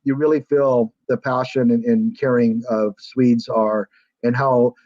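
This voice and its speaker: A man's voice: mid-range voice, flat delivery, a little slow, darkish tone, dry recording. American guy rambling on a video call, lots of ums, kinda muffled dry audio. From United States. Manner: rambling, hesitant with many fillers and restarts. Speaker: guest, former reality show contestant. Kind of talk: casual video call chat.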